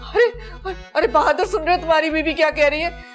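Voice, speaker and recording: A woman's voice: high voice, fairly even intonation, fast talker, soft background music, natural voice. An actress playing an older, melodramatic mother-in-law who wails and complains about her health. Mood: wailing. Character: older mother-in-law, dramatic, fussy hypochondriac.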